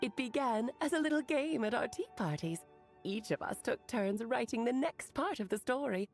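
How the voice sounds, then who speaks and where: A woman's voice: a little high, animated, moderate pace, soft background music. A woman voicing a grand, self-assured woman mage in a video game, with eloquent, dramatic delivery. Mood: storytelling.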